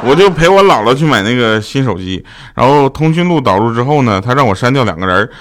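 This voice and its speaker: Lively joking man in his thirties. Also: fast, background noise. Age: 30s. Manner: joking, acts out quoted relatives with jumps in pitch. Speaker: podcast host. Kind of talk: comic storytelling monologue.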